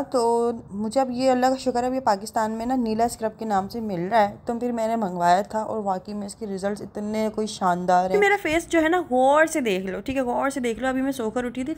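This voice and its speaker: A woman's voice: fairly high pitch, a little mellow. A young woman, narrating a casual vlog voice-over in a chatty, rambling way and laughing often. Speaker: vlogger.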